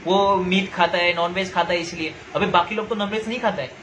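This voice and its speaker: In a poor-quality clip with slight background noise, a young adult man from Nagaland, India, rants at the camera with anger. This social media commentator has a high, somewhat bright voice and talks a little fast. His manner is confrontational and lecturing, and he restates his points over and over.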